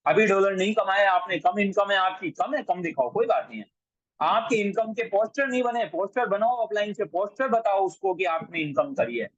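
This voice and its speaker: A man giving a motivational sales training talk, forceful and repetitive, speaking straight to the listener. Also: high-pitched, husky, dry recording, lo-fi sound. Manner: forceful, repeats lines and addresses the listener directly.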